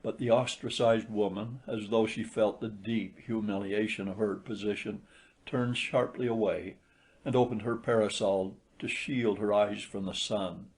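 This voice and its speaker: A man's voice: lowish voice, steady tone, measured pace, a little mellow. A man reading a literary short story aloud as an audiobook narrator.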